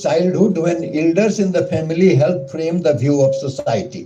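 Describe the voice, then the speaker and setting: Audible echo fills the room. The talking proceeds at a moderate pace. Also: man. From Nepal, Madhes region. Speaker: columnist and lecturer. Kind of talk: lecture. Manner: formal, reading from text.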